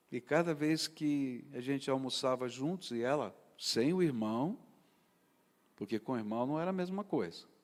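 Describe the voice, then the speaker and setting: An unremarkable speaking voice, a man's at a fairly high pitch, comes at a moderate pace with lively intonation on a very clean recording with a silent background. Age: 60s. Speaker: pastor. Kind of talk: sermon. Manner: conversational.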